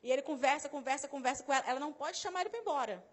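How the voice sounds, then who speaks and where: A Brazilian woman with a Rio de Janeiro accent giving a lively talk to a church audience, acting out dialogue as she tells stories. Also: high-pitched, rapid-fire. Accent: Carioca Portuguese. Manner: animated storyteller, acts out dialogue, laughs often. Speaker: speaker at a mission course.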